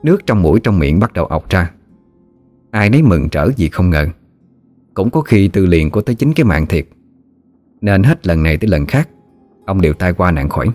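A man narrating a ghost story in a steady, unhurried way. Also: low-pitched, faint music behind.

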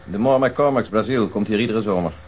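An actor playing an observant, methodical detective who explains precisely, in a Dutch radio drama. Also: male voice, on the low side, brisk, a little mellow, husky. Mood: matter-of-fact.

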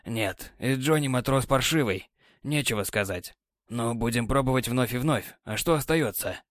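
A man voicing a weary, gruff sea captain who is a tender husband, speaking low with sighs and mutters. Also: normal speed, no echo, clean studio sound, natural voice. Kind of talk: audiobook character voice.

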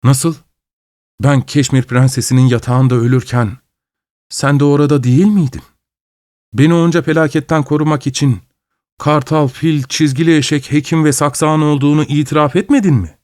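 A man's voice: fairly high pitch, fairly even intonation, moderate pace, a little mellow, no room sound, studio quality, voice pushed up, lightly acted. A man voicing a distraught young nobleman who talks in an agitated, pleading way. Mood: frantic.

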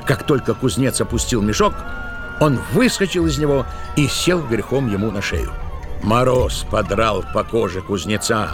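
A man narrating a literary tale in an expressive, theatrical storytelling style. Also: lowish voice, normal speed. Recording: music behind the narration.

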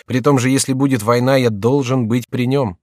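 A man voicing a rash young nobleman with a sardonic, brisk manner, in an audiobook reading. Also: mid-range voice, steady tone, no echo, clean studio sound, voice pushed up, lightly acted. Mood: wry.

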